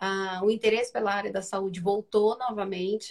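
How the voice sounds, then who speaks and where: Monotone, flat delivery from a woman, medium in pitch and moderate in pace. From Rio de Janeiro, Brazil. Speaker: psychologist and HR specialist. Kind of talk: live-stream interview.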